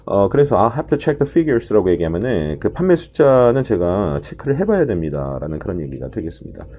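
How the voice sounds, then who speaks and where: A man's voice: fairly low pitch, big pitch swings, moderate pace, dark tone. A man teaching a test-prep listening lesson, explaining each answer choice step by step and stretching out key words for emphasis. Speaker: TOEIC listening instructor.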